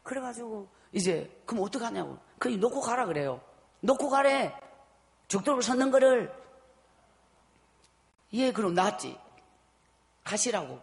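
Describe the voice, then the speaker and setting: A middle-aged woman, giving an emotional personal faith testimony that swings from loud pleading to a hushed murmur. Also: on the high side, big pitch swings, a little slow, vocal fry, long pauses. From Guryongpo area, South Korea. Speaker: testimony speaker.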